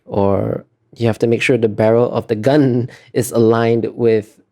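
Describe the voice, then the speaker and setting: A man's voice: mid-range voice, steady tone, measured pace, darkish tone. A man being interviewed as an artist, talking casually and explaining in a hesitant, self-correcting way.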